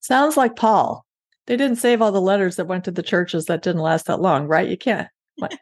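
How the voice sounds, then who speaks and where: A woman's voice: mid-range voice, moderate pace. A woman hosting an interview podcast, chatting in an upbeat, enthusiastic way. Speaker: podcast host. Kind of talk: casual interview chat.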